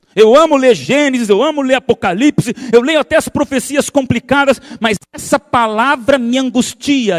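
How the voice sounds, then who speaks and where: The speaker uses an animated tone at a moderate pace against a quiet background. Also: man. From Brazil. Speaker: preacher. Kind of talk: sermon. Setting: church with congregation. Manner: lively, emphatic, storytelling with humor. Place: church. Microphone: handheld.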